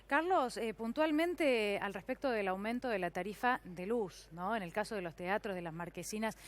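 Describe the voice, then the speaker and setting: A woman's voice: mid-range voice, moderate pace. Lady anchor, mid voice, just asking straight questions on air. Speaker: news host. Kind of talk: broadcast interview.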